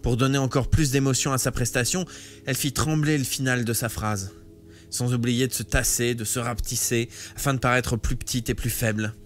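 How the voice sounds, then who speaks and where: A man narrates a novel aloud in a live reading, with lively, expressive storytelling. Soft music plays faintly behind his voice. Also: mid-range voice, fairly quick. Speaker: audiobook reader.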